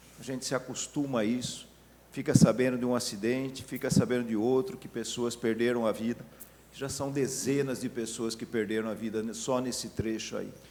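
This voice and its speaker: A man with a medium pitch and fairly even intonation keeps a moderate pace while noticeable background noise plays. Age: 60s. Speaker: city councillor. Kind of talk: council session speech.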